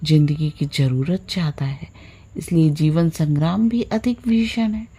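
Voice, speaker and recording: A woman narrating a literary story from a script, with measured, deliberate phrasing. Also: low voice, mellow, husky. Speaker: storyteller, audiobook-style reader.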